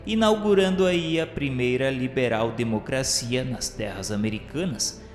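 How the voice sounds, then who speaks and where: A Brazilian man reads solemn scripted narration for a radio drama, formal and declamatory, with a medium-pitched voice at a moderate pace. Music plays underneath, and the sound echoes as if in a reverberant hall.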